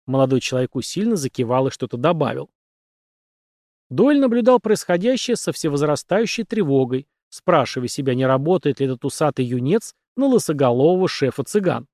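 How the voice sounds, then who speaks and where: A male audiobook narrator with an expressive, animated delivery and a fairly high voice. The sound is dry and close, with no room around it. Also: a little fast, no echo. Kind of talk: scripted narration.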